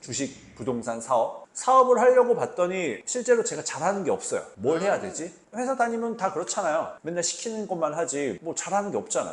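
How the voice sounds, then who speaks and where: The speaker's pitch swings very widely at a fairly quick pace with hardly any pauses, against noticeable background noise. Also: man, high pitch for a man. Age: 30s. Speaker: former office worker turned business owner. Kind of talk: casual talk to camera.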